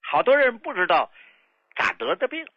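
A man's voice: high voice, wildly swooping pitch, normal speed, no echo. An older man, a traditional medicine doctor telling a patient's story on a radio health show in a folksy, dramatic way. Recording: dull lo-fi radio broadcast.

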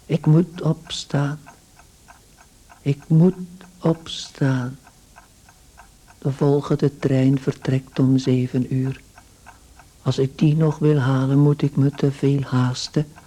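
A man's voice: medium pitch, little pitch movement, takes it slowly, pauses often, warm tone, poor audio. An actor playing a weary, anxious salesman turned insect, muttering to himself in a radio play monologue.

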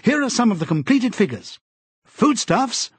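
A man's voice: sits high, sing-song, normal speed, husky, dry recording, pitched above the performer's own voice, full character voice. A man reading aloud, voicing an eager, youthful male broadcast announcer who proclaims everything with zeal. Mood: zealous. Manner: proclaiming, zealous.

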